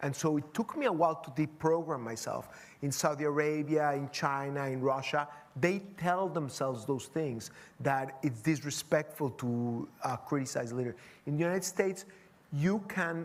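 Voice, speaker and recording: A man talks at a moderate pace. His pitch sits fairly high. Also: ordinary pitch variation. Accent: Spanish. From Mexico City, Mexico. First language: Spanish. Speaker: business executive. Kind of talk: interview conversation.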